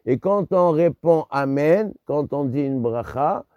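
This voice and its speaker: A man giving a religious lesson on Jewish law in a halting way, with many restarts and Hebrew terms mixed into his talk. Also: on the high side, lively intonation, no room sound, muffled recording. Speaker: Torah teacher.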